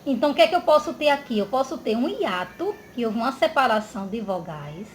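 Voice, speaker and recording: A woman teacher from Brazil giving a slow grammar lesson for children, drawing out words and checking in often. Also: a little high, big pitch swings. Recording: echoey room with faint background noise.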